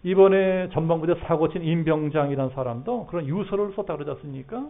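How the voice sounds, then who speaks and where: A middle-aged pastor with a high, light voice gives a sermon in a church, talking to his congregation and often asking them questions. The sound is thin and narrow, like a phone line. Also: quick pace. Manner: conversational preaching with questions to the congregation. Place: church sanctuary.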